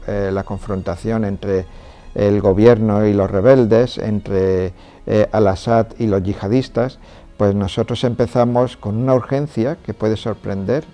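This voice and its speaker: A man with a low, dark and mellow voice, speaking as a priest. He explains things in a measured, steady way during an interview testimony. Soft music plays faintly behind him. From Córdoba, Spain. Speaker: Trinitarian priest and charity president.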